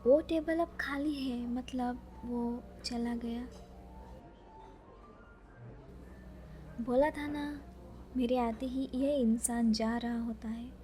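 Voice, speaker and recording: अभिनेत्री की आवाज़ में ऊँची आवाज़ वाली स्वप्निल युवती. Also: female voice, high-pitched, darkish tone. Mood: musing. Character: chatty young woman librarian, easily flustered, secretly smitten. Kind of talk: audio romance drama monologue.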